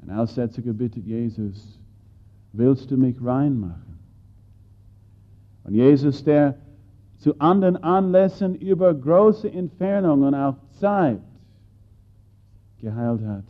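A man preaching a sermon, swinging between loud bursts and hushed lines and putting questions to his listeners. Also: medium pitch, slow pace, long pauses. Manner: addresses listeners directly with questions. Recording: tinny phone-like audio.

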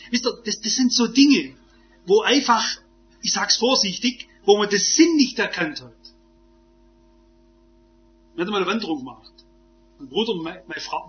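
A man preaches in a high voice. He fires off rhetorical questions and shifts between forceful outbursts and quiet asides. The recording sounds dull and lo-fi. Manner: emphatic, rhetorical questions, swings from loud to hushed. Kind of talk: sermon.

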